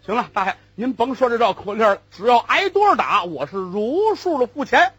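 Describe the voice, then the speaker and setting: A man voicing a patient male official who answers in a calm, resigned way. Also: extremely high pitch, a little fast, husky, no echo, soft background music, full character voice.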